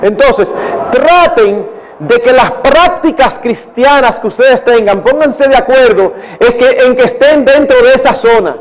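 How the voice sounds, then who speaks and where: High-voiced older Dominican pastor. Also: male voice, animated, unhurried, rough recording. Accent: Dominican Spanish. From Dominican Republic. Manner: earnest, digressive, addresses audience as brothers. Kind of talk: conference Q&A talk.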